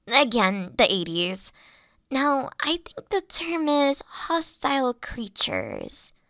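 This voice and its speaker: A woman plays a big young female dragon who is a bashful, self-deprecating nerd. Her voice is on the high side and she speaks slowly, in a halting, earnest way. It is an intimate roleplay audio, recorded very dry and close. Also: big pitch swings, sharp tone, dry recording, full character voice. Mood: enthusiastic, nerdy. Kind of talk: intimate one-sided character audio roleplay.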